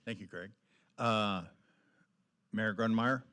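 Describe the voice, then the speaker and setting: A man's voice: on the low side, slow pace, sharp tone, clean tone. A man serving as mayor pro tem, chairing a council meeting and giving informal reports.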